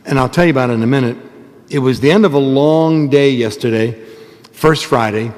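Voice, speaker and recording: A man's voice: mid-range voice, fairly quick, darkish tone. A man speaking as a Catholic priest in a large church with cathedral echo, reading scripture and preaching. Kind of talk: gospel reading and homily. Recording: long cathedral-like reverberant hall echo.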